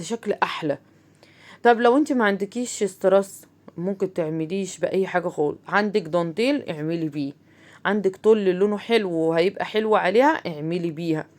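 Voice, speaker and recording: A fast-talking woman with an Egyptian accent walks viewers through a homemade craft. She keeps up a friendly, chatty stream of talk, full of fillers and direct asides to her audience. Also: mid-range voice. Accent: Egyptian Arabic. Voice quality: chatty, talks straight to viewers, many fillers. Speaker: crafts channel host. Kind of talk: casual craft tutorial.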